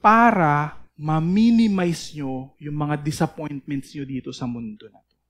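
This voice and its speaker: A man's voice: fairly high pitch, measured pace. A young man preaching to a youth group in a playful, joking way, often laughing and acting out little self-talk scenes. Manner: playful and joking, laughing often, talking to himself in mock dialogue. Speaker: youth speaker.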